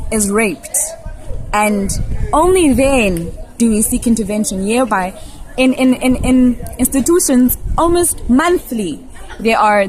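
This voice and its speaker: A woman's voice: fairly high pitch, rough recording. A young woman student from Johannesburg who chimes in and finishes others' sentences as she makes her points. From Johannesburg, South Africa. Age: young adult. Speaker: university student. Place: outdoors on a campus.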